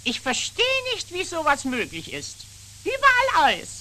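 A woman's voice: high voice, huge pitch swings, moderate pace, sharp tone, slight background noise, heavily acted. An actress playing a fussy, bossy female magpie in a children's puppet show, prim and scolding, with lots of exclamations.

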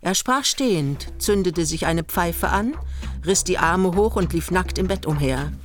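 An actress playing a detached, ironic narrator in a radio play, telling the story in measured, dry literary prose. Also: female voice, lowish voice, expressive, faint music behind.

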